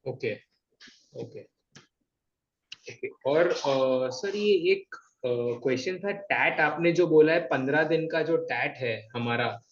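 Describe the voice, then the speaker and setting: Muffled call audio, man, slightly high pitch, caller asking questions, halting and hesitant delivery. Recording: dull lo-fi phone call.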